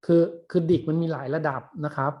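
A man's voice: a little high, steady tone, fairly quick, dull audio. A man in his forties teaching an online university class, explaining in a casual, rambling way with many fillers. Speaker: university lecturer.

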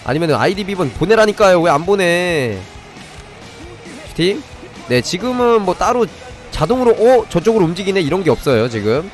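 A man's voice: high voice, very animated, moderate pace. Man, game stream host, very varied intonation, step-by-step commentary, talking to viewers, faint background music. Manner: demonstrates step by step while breaking off to address viewers. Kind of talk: live gaming commentary and review, chatting with viewers.

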